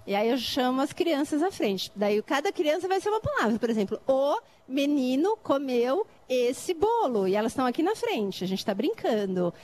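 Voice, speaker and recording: Lively high-voiced woman explaining a classroom game. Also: fairly quick, hardly any pauses. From Brazil. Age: middle-aged. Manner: explanatory, asks listeners if they follow. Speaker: lecturer on literacy teaching. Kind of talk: debate panel talk.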